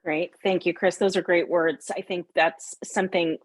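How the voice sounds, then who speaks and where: A middle-aged woman moderating a panel in a friendly, brisk, polite way on a video call. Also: fairly low pitch, steady tone, no echo.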